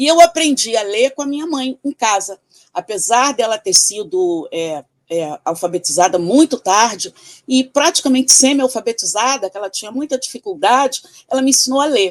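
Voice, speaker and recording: A woman with a high voice speaks at a moderate pace, with very wide pitch swings and big swings in loudness. The sound is dry and close, with no echo. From Rio de Janeiro area, Brazil (Ilha do Governador, Mesquita). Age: 60s. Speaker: educator, panel speaker. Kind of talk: panel talk, personal storytelling.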